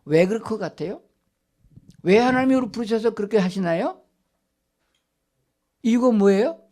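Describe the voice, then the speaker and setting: An older man preaching in a church sanctuary, his voice sitting a little higher than most men's. He keeps asking his listeners questions and then answers them himself. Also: moderate pace, a little mellow. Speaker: pastor. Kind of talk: Sunday sermon.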